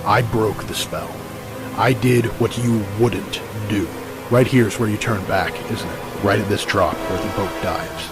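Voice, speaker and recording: A grim masked crimefighter in a comic-book audio drama. The voice is low and controlled, stern and menacing, with loud music underneath. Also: male voice, unhurried. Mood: cold menace. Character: grim, resolute male masked vigilante hero, menacing and controlled.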